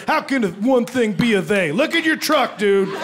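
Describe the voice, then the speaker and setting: Lively intonation from a man, moderately paced, with noticeable background noise behind him. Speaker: stand-up comedian. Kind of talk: stand-up comedy routine. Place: stage. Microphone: handheld.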